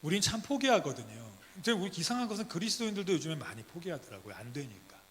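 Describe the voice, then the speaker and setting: High bright-voiced male pastor preaching. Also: sing-song, fast talker. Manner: emphatic, rhetorical questions, pleading. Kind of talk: sermon. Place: church sanctuary. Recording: long church hall reverb.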